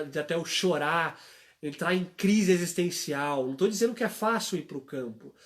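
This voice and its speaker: A young man, a church worker, giving a religious testimony on a live stream, telling stories and asking rhetorical questions like a preacher. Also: a little high. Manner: storytelling, acts out quoted voices.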